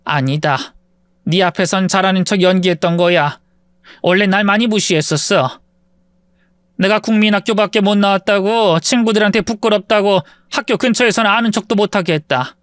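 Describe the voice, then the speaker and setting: A man voicing an elderly mother-in-law who speaks in a low, weary, plain-spoken way. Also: normal speed, a bit bright, smooth, dry recording, clean studio sound.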